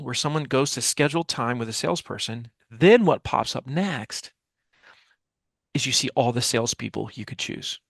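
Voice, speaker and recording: An American man speaks as an interview guest at a middle pitch. He explains with emphasis, repeating key phrases and posing questions to his listener. The headset sound is very dry. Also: creaky, fairly bright tone, dry recording. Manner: emphatic, rhetorical repetition and questions. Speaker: podcast guest, author and business speaker. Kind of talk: explanatory interview answer with storytelling. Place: small dim home office, video call. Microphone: headset microphone.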